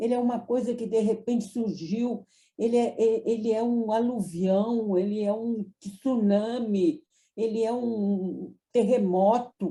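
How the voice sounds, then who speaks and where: A woman speaks very slowly at a fairly high pitch, somewhat breathy. Her tone is dark and mellow, and her intonation stays fairly even. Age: 90s. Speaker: playwright. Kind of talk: casual chat. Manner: halting.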